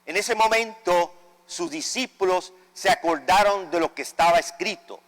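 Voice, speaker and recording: A priest reads the Gospel in a large church, slow and solemn, with the odd small stumble. His voice sits a little high for a man. Everything rings out in a long cathedral echo. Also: a bit bright. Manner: measured, solemn reading with small slips. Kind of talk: reading the Gospel at Mass.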